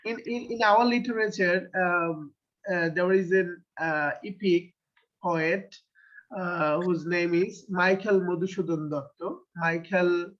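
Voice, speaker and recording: A man with a Bangladeshi accent, a poet whose first language is Bengali, answers interview questions in a halting way. He pauses often and restarts his sentences. The recording sounds dull and lo-fi. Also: high-pitched, steady tone. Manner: hesitant, many fillers and restarts.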